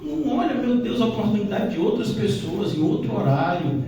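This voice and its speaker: A male pastor teaches a Bible study in a chatty, conversational way, his voice sitting a little high. The sound is heavily echoey, captured from a distant mic in a church hall with faint ambience behind. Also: sing-song, brisk, dark tone. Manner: conversational, with frequent "né?" asides.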